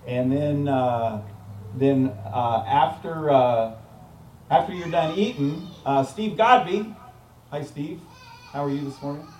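A man's voice: fairly high pitch, slow, a little mellow, echoey room, a little hiss or hum. Man pastor preaching outdoors in a park, casual delivery, heard from a distance. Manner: casual, frequent fillers and restarts. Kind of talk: outdoor sermon.

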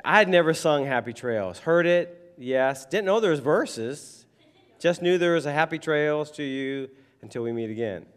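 A pastor with a hoarse, froggy voice, giving a casual, rambling sermon full of fillers. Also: male voice, a little high, lively intonation, normal speed. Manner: rambling, conversational, many fillers. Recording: hall reverb.

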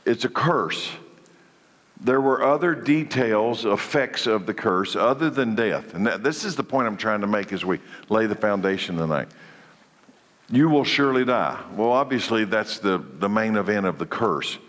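A man's voice: lowish voice, animated, moderate pace, fairly bright tone, big-room sound. A congested man leading a church Bible study, preaching in a conversational way that often restarts his phrases. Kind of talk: church teaching session.

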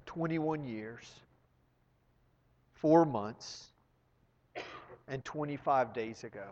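A man preaching a sermon to his congregation, speaking earnestly and sinking to a hush at solemn moments. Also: medium pitch, big-room sound, lo-fi sound. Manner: slow, earnest, dropping to near whisper. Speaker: pastor.

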